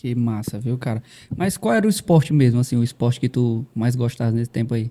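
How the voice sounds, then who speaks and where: A man with a dark, mellow tone talks at a fairly quick pace, with ordinary pitch variation. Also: medium pitch for a man. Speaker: podcast host. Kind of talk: casual interview.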